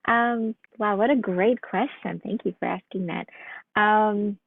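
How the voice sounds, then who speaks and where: A woman's voice: medium pitch, fairly even intonation, unhurried, creaky, dry recording. A woman from Ukraine, a psychologist guest, answering interview questions in an earnest, reflective way with many fillers, over a tinny phone-like line.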